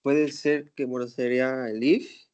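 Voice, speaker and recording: A man's voice: medium pitch, steady tone, a little slow, darkish tone, highs cut off. A male student answering the teacher's questions in class, hesitant and thinking aloud.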